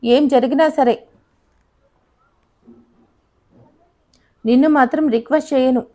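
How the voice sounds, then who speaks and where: A woman's voice: high-pitched, steady tone, quick pace, natural voice. A woman voicing a desperate, defiant young heiress in an audio story, speaking in pleading and indignant tones. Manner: pleading, then sharp and indignant.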